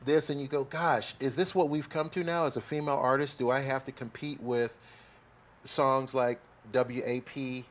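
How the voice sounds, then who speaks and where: A man's voice: mid-range voice, steady tone, normal speed. A man hosting a talk radio interview, asking long, rambling questions in a loose, chatty way. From Kansas City. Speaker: radio show host. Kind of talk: casual interview chat.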